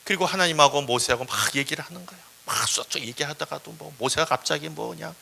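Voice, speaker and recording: A male preacher giving a storytelling sermon in a church, animated and acting out the story. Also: a little high, fast, gravelly, a little hiss or hum. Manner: animated, acts out voices.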